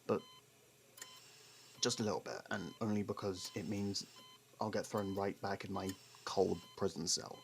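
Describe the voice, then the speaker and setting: A man acts out a guarded male convict in an intimate audio roleplay, his voice low and heavy with fry. He is sardonic and defensive, stumbling over denials that he cares. Clear noise sits behind the voice. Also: fairly even intonation, measured pace, pauses often. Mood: guarded, reluctant care. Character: gruff, guarded convict partner secretly fond of a detective.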